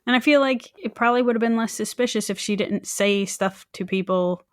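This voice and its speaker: A woman's voice: a little high, fairly quick, dry recording, studio quality. A woman co-hosting a true crime podcast, chatting casually and jokingly, with little asides in acted voices. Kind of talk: casual banter about a crime case.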